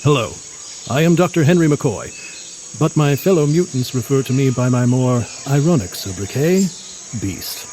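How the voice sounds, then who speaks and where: An actor playing a courtly, erudite mutant scientist in an audio drama, with a verbose, formal and genial manner. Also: male voice, mid-range voice, animated, moderate pace, mellow, a little hiss or hum, close to an everyday voice. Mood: genial, pompous.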